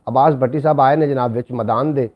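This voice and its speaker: A man's voice: medium pitch, steady tone, fast talker, highs cut off. A man hosting a casual live stream, courteous and full of blessings and thanks for his viewers. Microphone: new microphone.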